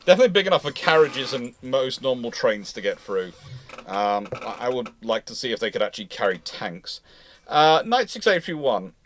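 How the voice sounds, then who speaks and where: A man hosting a casual panel discussion, explaining and speculating in a measured way. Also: medium pitch, sing-song, fairly bright tone, a little hiss or hum. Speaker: panel host answering viewer questions.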